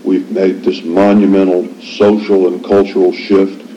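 An American man questioning formally from the bench as a judge, in measured, wordy legal phrasing. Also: sits low, little pitch movement, highs cut off. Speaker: appellate judge. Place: indoor courtroom.

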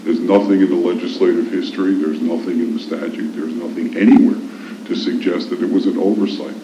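Low-voiced American lawyer in an echoey room. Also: male voice, steady tone, fairly quick, mellow. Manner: insistent, repeats points for emphasis. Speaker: lawyer arguing an appeal. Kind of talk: courtroom oral argument. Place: indoor courtroom. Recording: echoey, muffled courtroom recording, faint noise.

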